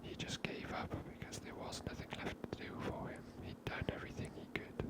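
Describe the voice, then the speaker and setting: A woman whispers breathily in a hushed, casual, musing way as she hosts an ASMR video game playthrough. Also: fairly quick. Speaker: host of a gameplay series. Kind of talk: ASMR gameplay commentary.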